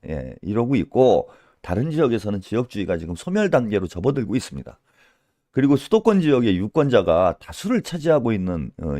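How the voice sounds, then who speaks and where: A male political commentator delivers a solo rant in a scolding tone. He hammers home rhetorical questions with a pushy "eh?", and his pitch leaps up and down dramatically. The sound is close and dry, with no room echo. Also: darkish tone.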